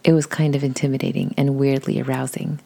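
A woman with a raspy voice, reading a post aloud in a soft, casual whisper. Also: very deep voice, flat delivery, quick pace. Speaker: audio creator reading posts.

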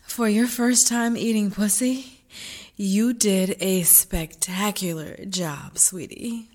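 A woman playing a tender, teasing caretaker who speaks softly and often whispers. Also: mid-range voice, slow pace. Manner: soft, soothing, often whispering. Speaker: married woman caring for her lover. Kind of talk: adult audio roleplay.

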